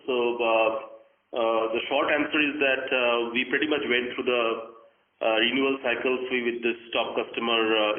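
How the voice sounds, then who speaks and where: A man speaking as a company executive on an earnings call, answering off the cuff in a hesitant, broken-up way. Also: mid-range voice. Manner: hesitant, many "you know"s. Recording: echoey, tinny phone conference line.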